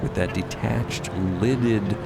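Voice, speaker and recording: Male narrator, low pitch, gravelly fry, wry storytelling, music underneath. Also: slow pace. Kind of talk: semi-improvised audio fiction narration.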